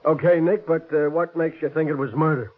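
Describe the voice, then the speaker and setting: A man's voice: on the high side, fairly even intonation, fairly quick, close to an everyday voice. Puzzled old-radio police sergeant played by a man. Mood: puzzled, skeptical. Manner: folksy, hesitant, questioning. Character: gruff, puzzled male police homicide sergeant. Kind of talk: 1940s radio drama acting. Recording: muffled, narrow-band 1940s radio recording.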